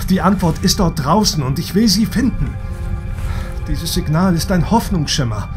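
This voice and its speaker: Man as an earnest, halting space pilot. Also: a little high, expressive, over music, close to an everyday voice. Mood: urgent, determined. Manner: halting, stammering, emotional. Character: earnest, hesitant, guilt-ridden male spaceship pilot. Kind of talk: German sci-fi audio drama acting.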